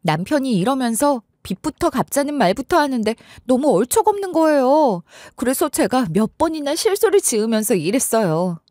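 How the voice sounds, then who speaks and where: Brief: expressive female storyteller, slightly high voice, first-person narration. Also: moderate pace, few pauses, no echo, clean studio sound.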